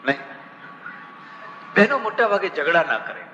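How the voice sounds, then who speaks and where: A man, a Hindu monk, giving a humorous spiritual discourse on scripture, telling stories, asking the audience rhetorical questions and slowly chanting verses. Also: high voice, big pitch swings, muffled recording, noisy background. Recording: reverberant hall with faint ambience.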